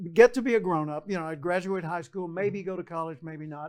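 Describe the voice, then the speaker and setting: This man has an American accent and a high pitch. He speaks at a moderate pace. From US South, Little Rock, Arkansas. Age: 70s. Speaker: motivational speaker and author. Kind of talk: interview. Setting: studio.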